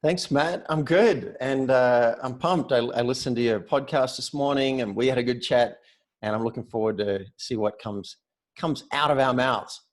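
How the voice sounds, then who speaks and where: A man's voice: medium pitch, normal speed. A man in his fifties with an Australian accent, a podcast guest chatting upbeat and easygoing, often restarting his words. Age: 50s. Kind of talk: casual interview chat.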